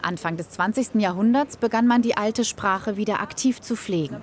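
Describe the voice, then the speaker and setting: A woman reading the scripted narration of a travel documentary in a calm, measured voice-over. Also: medium pitch.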